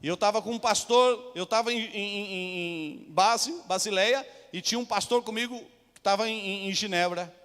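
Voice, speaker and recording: High-voiced Brazilian pastor in a reverberant hall. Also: male voice, normal speed, a bit bright, smooth. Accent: Brazilian Portuguese. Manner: storytelling preacher, often calling out to the congregation. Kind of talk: sermon. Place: church hall. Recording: long church hall reverb.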